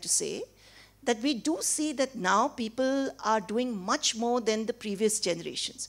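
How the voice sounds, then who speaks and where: Here, a normal speaking voice moves at a fairly slow pace. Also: woman, quiet background. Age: 60s. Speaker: neuropsychologist. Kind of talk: lecture. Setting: stage with audience. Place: hall.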